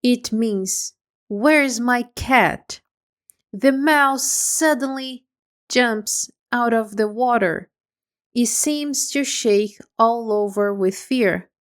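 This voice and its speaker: Slow, measured woman storyteller. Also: a little high. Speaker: story reader. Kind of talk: slow read-aloud for English learners.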